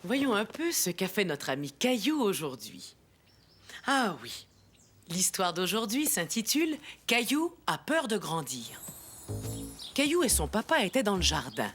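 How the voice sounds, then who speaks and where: A woman as a friendly storyteller narrating a children's cartoon, with clear storybook phrasing. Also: medium pitch, big pitch swings, unhurried, fairly bright tone, faint music behind. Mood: storytelling.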